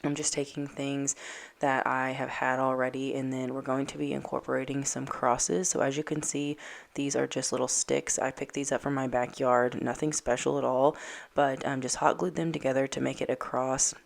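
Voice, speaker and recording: A woman home decor vlogger chatting casually to camera, losing her voice from a dry throat, soft and hesitant with many ums. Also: extremely low pitch, level tone, moderate pace, vocal fry.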